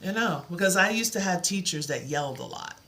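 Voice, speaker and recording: A woman's voice: lowish voice, lively intonation, a little fast, pushed and bright. A middle-aged woman teaching a live math lesson, with a soothing voice and an encouraging, reassuring way of talking. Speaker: math tutor.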